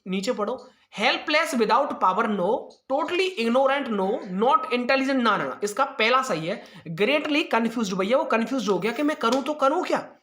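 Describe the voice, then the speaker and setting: A male English teacher with an Indian accent, leading a lesson for exam students. His voice is bright and forward. He reads quiz lines slowly and carefully, then breaks them down in quick Hindi. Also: very high voice.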